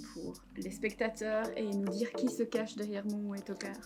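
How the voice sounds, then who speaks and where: With music in the background, a woman talks at a moderate pace in a fairly high voice. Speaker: talk show host. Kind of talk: interview question.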